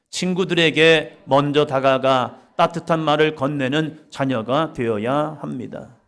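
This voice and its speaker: A man preaching a Sunday sermon as pastor, earnest, slowing down on key phrases and rising for emphasis. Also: fairly high pitch. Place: church sanctuary.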